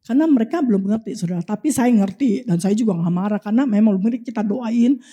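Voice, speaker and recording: A woman with an Indonesian accent preaching an animated sermon, telling testimonies and prophesying over the congregation. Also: a little high, quick pace, breathy edge. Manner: animated, repeatedly addressing the congregation.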